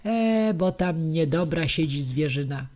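A woman's voice: deep voice, lively intonation, a little slow, darkish tone. A woman voicing a fearful, evasive old village witch in an audiobook, whispering and rising shrilly.

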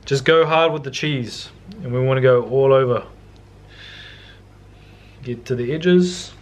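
A man's voice: medium pitch, unhurried. A young man giving a casual, slangy cooking demonstration in a laid-back way. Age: young adult. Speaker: cooking vlogger. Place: home kitchen, indoors.

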